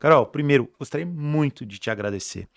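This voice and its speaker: Gravelly, fast-talking Brazilian man. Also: mid-range voice, expressive. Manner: informal, slangy. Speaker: podcast host. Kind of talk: casual chat.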